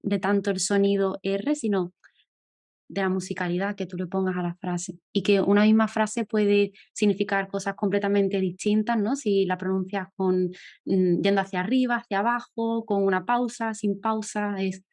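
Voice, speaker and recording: A woman's voice: medium pitch, level tone, moderate pace, darkish tone. A woman hosting an interview, engaged and summing up her guest's points in a casual talk. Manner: engaged, sums up and adds points. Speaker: interviewer, channel host.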